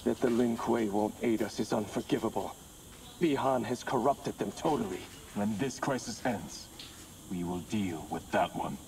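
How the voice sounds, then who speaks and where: A man's voice: lowish voice, moderate pace, darkish tone, close to an everyday voice. A man playing a stern, resentful warrior in a video game, speaking formally. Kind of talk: dramatic video game acting. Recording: distant, with ambient noise.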